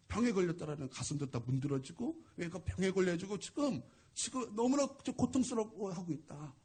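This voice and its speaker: A man preaching a Sunday sermon as a pastor, telling a story with lively acted-out dialogue. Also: a little high, breathy edge. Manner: animated, acts out quoted dialogue. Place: church sanctuary.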